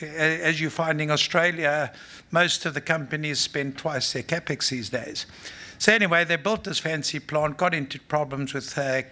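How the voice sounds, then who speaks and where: On a conference stage, a mining executive with a South African accent delivers an unscripted talk in a no-nonsense way, stumbling through fillers and restarts. The pitch is fairly high, the tone bright and forceful.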